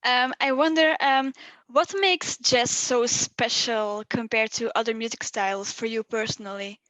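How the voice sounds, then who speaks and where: Young woman interviewer, slightly high. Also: fairly even intonation, a little slow, fairly bright tone, dry recording, rough recording. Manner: friendly, hesitant fillers between questions. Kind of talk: interview questions.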